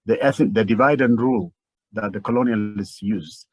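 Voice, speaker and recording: An older man from Ethiopia with an Ethiopian accent, giving impassioned interview commentary in a halting, repetitive, emphatic way. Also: on the low side, breathy edge, dry recording.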